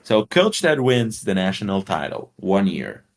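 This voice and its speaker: A Portuguese man co-hosts a casual sports podcast, speaking bluntly, swearing, and going off on rambling explanations. His voice is low-pitched and sing-song, at a normal speed.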